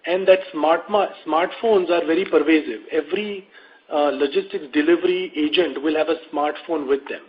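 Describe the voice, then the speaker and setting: A man speaking as a company executive, explaining things to investors on a conference call in a measured, methodical way. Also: on the high side. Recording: muffled lo-fi conference call audio.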